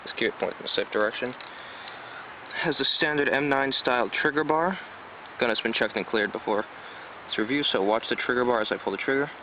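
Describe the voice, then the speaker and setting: A man's voice: mid-range voice, fast talker. A man giving a casual, enthusiastic hands-on product review in an informal, rambling way. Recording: dull lo-fi sound, loud road noise. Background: traffic, passing buses and cars.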